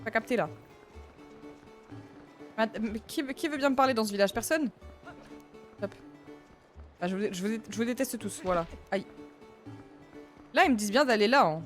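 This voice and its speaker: While playing a game, a woman in her twenties chats with her viewers in a relaxed, rambling way over faint game music. Her voice is on the high side and animated, at normal speed but broken up by long pauses.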